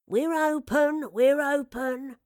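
A woman's voice: high-pitched, fairly even intonation, slow, a little mellow, no echo, studio quality, pitched above the performer's own voice. Woman voicing a kindly, playful old shopkeeper man. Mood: kindly, welcoming. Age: older. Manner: old-fashioned British turns of phrase, fond and teasing. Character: kindly elderly male map-shop keeper, playful and grumbling.

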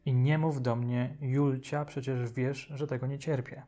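A man's voice: mid-range voice, level tone, measured pace, warm tone, faint music behind, close to an everyday voice. A man voicing a sullen, apathetic teenage girl in an audiobook, mumbling bluntly. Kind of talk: audiobook character voice.

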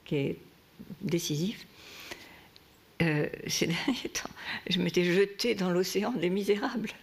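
Lively guest, lowish female voice, heard from off-mic. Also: a little slow, creaky. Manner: lively, laughing, sometimes whispering. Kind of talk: animated conversation.

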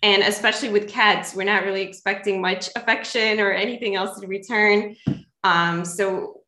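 A woman's voice: medium pitch, fairly even intonation, normal speed, bright, forceful tone, echoey room. A woman in her thirties, from Ukraine, hosting a podcast interview in a friendly casual way. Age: 30s. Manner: friendly, uses fillers like "um" and "like". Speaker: podcast host.

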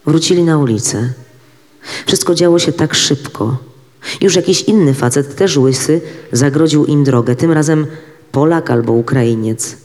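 A man reading a literary prose passage aloud in a measured way, with dramatic pauses. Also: mid-range voice, darkish tone. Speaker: reader. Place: event hall. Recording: reverberant hall.

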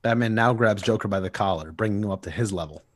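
A man's voice: fairly low pitch, quick pace, dry recording, clean studio sound. A man co-hosting a podcast, reading out comic stage directions plainly. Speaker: podcast co-host. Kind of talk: narrating comic panels.

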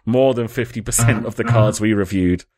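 A man's voice: on the low side, normal speed, warm tone, no echo, studio quality. Jokey guy hosting a podcast. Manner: jokey, rambling, laughs at himself. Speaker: podcast host. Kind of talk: casual podcast chat.

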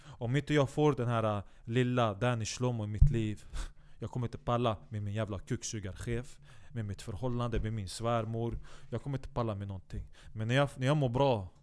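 A man with a smooth, resonant voice rambles through a comic monologue, cursing freely. He swings from loud bursts to low muttering, with his pitch sitting mid-range. He stumbles and restarts as he thinks aloud. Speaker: comedic monologue host.

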